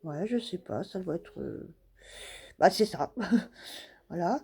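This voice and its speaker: A woman's voice: fairly low pitch, animated, slow pace, warm tone, breathy edge. A woman casually showing craft stamps in a vlog, talking hesitantly with many fillers and laughing at her own guesses. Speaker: scrapbooking vlogger.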